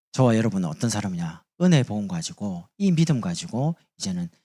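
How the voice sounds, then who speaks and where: A man's voice: lowish voice, darkish tone, husky. Emphatic Gyeongsang-accented male pastor. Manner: emphatic, rhetorical questions. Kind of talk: sermon.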